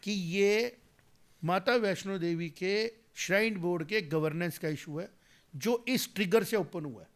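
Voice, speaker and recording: A man's voice: high voice, a little slow. A man, giving emphatic political commentary in an interview, mixing in English phrases and growing heated as he argues. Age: 40s. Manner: emphatic, rising to heated argument; mixes English phrases into speech. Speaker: guest commentator.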